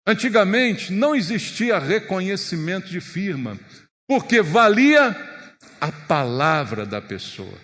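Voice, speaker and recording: A man with a Brazilian Portuguese accent preaching a sermon in a church, emphatic and animated, with strong rises and drops for emphasis. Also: high voice. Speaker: pastor. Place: church sanctuary. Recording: long church reverb.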